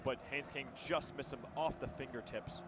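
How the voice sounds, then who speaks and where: A man's voice: medium pitch, normal speed. A man giving live color commentary on a football radio broadcast. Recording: noisy live stadium broadcast. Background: clear stadium noise.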